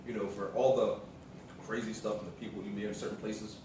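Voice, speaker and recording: A man's voice: fairly low pitch, level tone, brisk, mellow. An American man chatting casually as a co-speaker on a vlog, informal and emphatic in how he makes his points. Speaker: partner of the vlogger, co-speaker. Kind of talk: casual chat. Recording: very echoey room, distant mic, faint noise.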